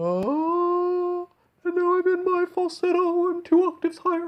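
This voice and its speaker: In a put-on character voice, a woman speaks at a moderate pace, extremely high and squeaky, with monotone, flat intonation. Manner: demonstrating voice range.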